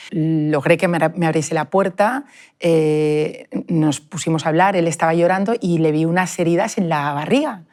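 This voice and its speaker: A woman, a parent telling her family's experience in an earnest, emotional way, often halting and restarting. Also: low-pitched, darkish tone. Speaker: parent of a bullied child. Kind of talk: personal testimony in a group conversation.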